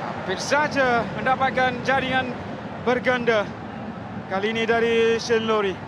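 A man calling a football match, excitable and dramatic, building to shouts at big chances. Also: extremely high pitch, a little slow. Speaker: play-by-play commentator. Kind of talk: football commentary. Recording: broadcast with loud stadium crowd. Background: loud crowd noise.

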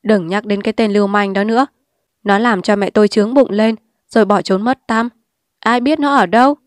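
A woman's voice: medium pitch, steady tone, a little fast, no room sound, studio quality, natural voice. A woman voicing a defiant, streetwise young woman who speaks bluntly and scornfully. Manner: blunt, scornful and sharp-tongued.

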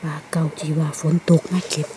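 A woman with an Isan accent vlogging in a forest, exclaiming excitedly and calling out to her viewers as she goes. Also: brisk, noisy background. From Northeast Thailand. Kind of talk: casual foraging vlog. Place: forest outdoors.

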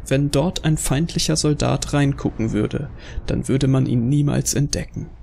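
Casting: male narrator for horror audio drama, creaky mid-range voice, scripted storytelling, faint background noise. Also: mid-range voice, steady tone, moderate pace, mellow.

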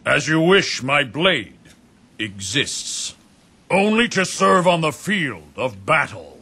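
An actor playing a proud, loyal male general who speaks in a forceful, proclaiming way in a video game cutscene. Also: fairly high pitch, big pitch swings, takes it slowly, slight background noise, full character voice.

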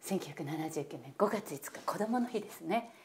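A woman hosting an interview at a guest's home, reacting brightly and asking quick follow-up questions. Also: fairly low pitch, lively intonation, slight background noise. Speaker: host.

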